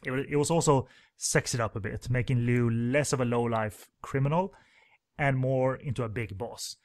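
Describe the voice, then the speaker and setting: Male podcast host, casual movie commentary, rambling, fillers, mid-pitched voice. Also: normal speed, darkish tone. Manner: rambling, hesitant, many fillers and restarts.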